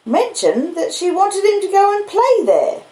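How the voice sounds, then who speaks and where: A woman voicing a kindly, humble working-class English blacksmith in a storybook, with gentle, apologetic rustic speech. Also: very high-pitched, huge pitch swings, measured pace, echoey room, pitched above the performer's own voice, full character voice. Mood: polite, puzzled.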